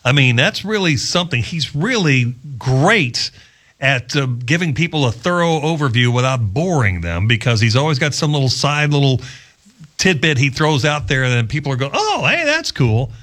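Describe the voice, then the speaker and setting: Man, middle-aged, hosting radio chat, lively and kinda bright, warm proud dad tone. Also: mid-range voice, moderate pace. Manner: warm, proud fatherly banter. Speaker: radio show host.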